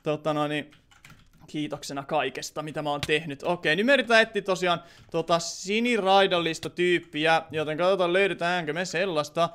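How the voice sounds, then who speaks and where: A young man giving excitable live commentary on a game as a streamer, bursting into laughing shouts when he wins. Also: a little high, a little hiss or hum. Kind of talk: live Minecraft gameplay commentary.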